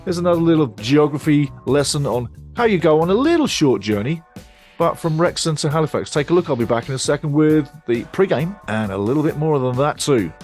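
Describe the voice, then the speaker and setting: A man's voice: a little high, big pitch swings, fairly quick, a little mellow, soft background music. A man hosting a football fan show in casual, upbeat chat, with punchy exclamations and lots of repeating himself. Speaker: fan channel host. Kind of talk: casual pre-match football show talk.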